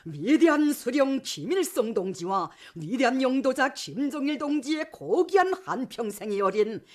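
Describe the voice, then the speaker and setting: A woman's voice: high-pitched, big pitch swings, normal speed, a little mellow. A woman with a North Korean accent reading scripted state propaganda news as a television announcer in a fervent, solemn, declamatory manner.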